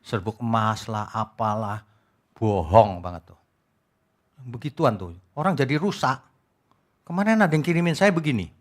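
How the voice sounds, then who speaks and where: Animated, mocking male pastor preaching. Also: mid-range voice, moderate pace, long pauses. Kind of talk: sermon. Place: church.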